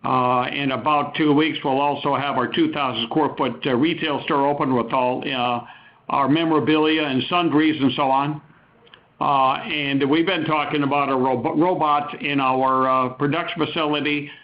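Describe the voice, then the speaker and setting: A male company executive gives unscripted business answers in a medium-pitched voice. He speaks haltingly, often pausing mid-sentence. The sound is dull and lo-fi, like a conference call. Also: fairly even intonation.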